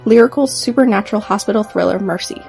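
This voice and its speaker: A woman narrates a horror book trailer in a measured, promotional read. Her voice has a creaky edge. Faint music plays behind her. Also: mid-range voice, darkish tone.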